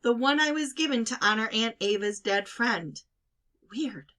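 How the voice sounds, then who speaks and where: A woman's voice: a little high, measured pace, fairly bright tone. A woman voicing a puzzled, wry young girl thinking to herself in a storybook reading. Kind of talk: children's novel read-aloud.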